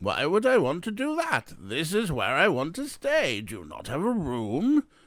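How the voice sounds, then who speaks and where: In a put-on character voice, a man speaks at a moderate pace with a high pitch and very wide pitch swings. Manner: haughty, irritated.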